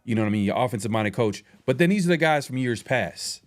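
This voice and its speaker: A man's voice: medium pitch, expressive, fast. Skeptical, rambling man co-hosting sports talk.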